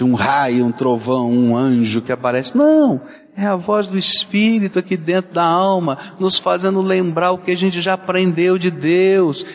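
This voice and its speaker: A man's voice: sits high, in a large hall. A Brazilian man preaching a sermon as a pastor, telling stories and acting out the people in them. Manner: animated storytelling, acting out quoted voices.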